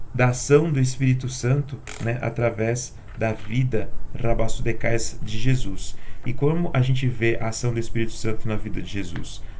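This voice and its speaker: Medium-pitched male speech with fairly even intonation and audible room echo. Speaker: Pentecostal preacher / Bible teacher. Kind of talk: Bible study teaching. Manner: fast.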